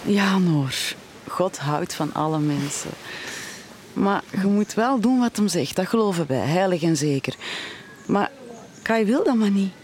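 A woman's voice: medium pitch, expressive, unhurried, a little mellow, lightly acted. An actress plays a middle-aged Flemish mother, devout and full of worry for her son. The acting is natural audio drama. There is faint noise in the background. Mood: grave, devout.

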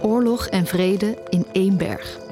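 A woman's voice: medium pitch, measured pace, music in the background, natural voice. An actress playing an anxious, stubborn young woman, a student, narrating and talking in an audio drama in an intimate way. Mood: brooding, uneasy. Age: young adult. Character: anxious, stubborn young female music student, nearly blind.

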